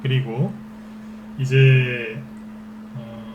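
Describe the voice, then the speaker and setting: A man's voice: mid-range voice, level tone, extremely slow, lo-fi sound, over music. A man giving a stock trading lecture as a market expert, who keeps asking rhetorical questions and answering them himself. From Seoul capital region.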